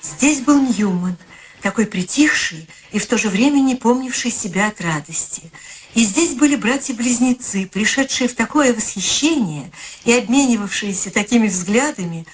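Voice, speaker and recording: An older woman acting in a radio drama as a devoted, self-denying daughter, speaking with halting, theatrical emotion. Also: a little high, animated, a little hiss or hum, close to an everyday voice, low-quality recording. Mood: gentle reading. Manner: halting, emotional, repeats words.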